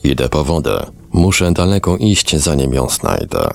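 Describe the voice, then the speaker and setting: A man reading the lines of a tired young woman under hypnosis, in slow, subdued, matter-of-fact answers. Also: very deep voice, very animated, gravelly, heavily acted. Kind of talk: reading a hypnosis session transcript aloud.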